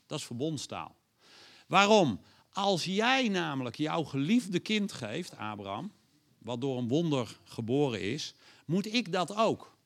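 A man preaching a sermon, lively and animated, acting out God's lines in a raised voice and putting questions to the audience. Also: fairly high pitch, a little slow, gravelly.

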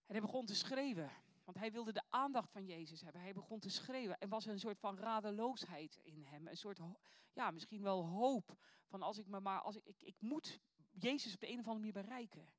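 A woman with a mid-range voice speaks briskly in a dry recording. She reads scripture aloud, then moves into an earnest, reflective sermon, posing searching questions to her listeners as a preacher.

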